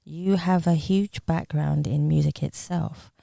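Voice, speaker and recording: A woman's voice: sits low, fairly even intonation, measured pace, vocal fry, dark tone, no room sound, clean studio sound. A woman hosting a podcast, upbeat and effusive, thanking her guest often and asking long questions. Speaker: podcast host.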